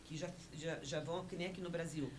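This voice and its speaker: A woman whose first language is Spanish, explaining things in a measured way as a guest on a radio interview. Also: low voice, steady tone, background noise. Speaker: interview guest, honorary consul.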